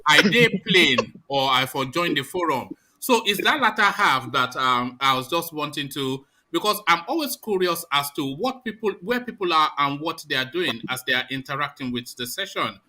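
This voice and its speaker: Man, host, playful, mock-dramatic, lively intonation, slightly higher voice. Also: normal speed, few pauses. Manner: teasing, laughing, mock-dramatic. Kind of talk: casual panel chat.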